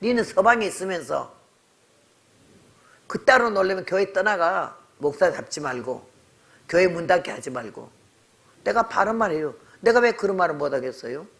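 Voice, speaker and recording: A woman's voice: lowish voice, sing-song, moderate pace, vocal fry, pauses often, a bit bright. An older woman missionary preaching a sermon, telling a story in a blunt, scolding way. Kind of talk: sermon with testimony.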